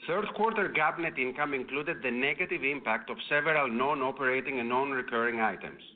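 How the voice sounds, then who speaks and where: Male finance executive for an earnings call: formal, measured scripted delivery, medium pitch, tinny phone-line audio. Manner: formal, measured reading of figures.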